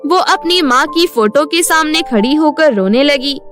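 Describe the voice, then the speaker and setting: A woman's voice: sits high, animated, a little slow, a bit bright. A woman narrator reading a scripted story. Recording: music behind the voice.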